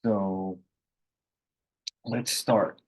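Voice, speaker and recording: Slow low-voiced Finnish man teaching. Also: fairly even intonation. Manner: unhurried, rambling with restarts and self-corrections. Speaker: language course host. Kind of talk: casual online language lesson.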